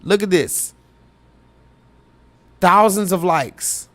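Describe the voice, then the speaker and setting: A high-pitched man's voice, pushed and bright, stretches out its words with no room sound. He hosts a live reaction stream, reading comments aloud and urgently badgering his chat, repeating himself as he addresses them directly.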